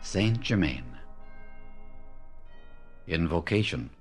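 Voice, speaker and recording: A man reading a devotional book aloud as an audiobook narrator, in a measured, reverent way with long pauses. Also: low voice, lively intonation, over music. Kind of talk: slow, solemn reading of devotional text.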